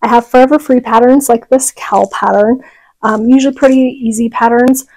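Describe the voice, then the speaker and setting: A woman's voice: a little high, steady tone, moderate pace, darkish tone, rough recording. A middle-aged woman hosting a casual, chatty knitting tutorial, talking carefully with half her face numb and heavy from a dental filling. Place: small furnished room at home.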